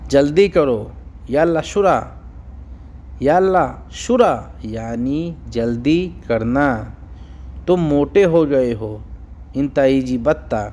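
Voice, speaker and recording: Very slow, deliberate male language teacher. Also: medium pitch, lively intonation, a little mellow. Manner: slow, deliberate, repeats each phrase. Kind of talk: phrase-by-phrase language lesson.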